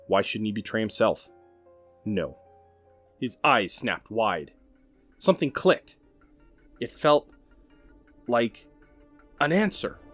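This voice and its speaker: A man's voice: medium pitch, breathy edge. A man reading dramatic scripted narration as a narrator, intense and emphatic.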